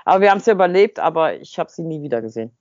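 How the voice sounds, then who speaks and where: A woman co-hosting a podcast, telling a story in a lively, casual way and acting out the dialogue. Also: low-pitched, racing, no room sound, muffled recording. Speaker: podcast co-host.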